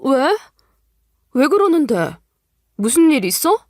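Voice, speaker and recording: A woman's voice: high voice, sing-song, takes it slowly, darkish tone, no echo, clean studio sound, exaggerated voice. A woman acting an anxious pregnant company boss in an audio story. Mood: alarmed. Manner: anxious, hesitant.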